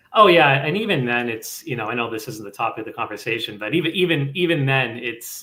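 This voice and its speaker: Lively intonation marks this man's speech, delivered at a fairly quick pace. His pitch is medium, with a slight Canadian accent. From Canada, Windsor Ontario. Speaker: software company founder. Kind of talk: casual chat.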